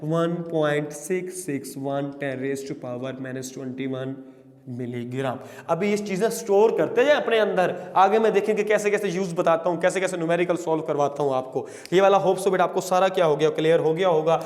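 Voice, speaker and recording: A middle-aged man with a Pakistani Urdu accent lectures on chemistry in a fairly high voice. He coaxes his students with questions and dictates English definitions slowly, word by word. The recording has a long hall-like reverb. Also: a little mellow. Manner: coaxing, calls students beta, asks and answers questions. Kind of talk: recorded entry-test lecture.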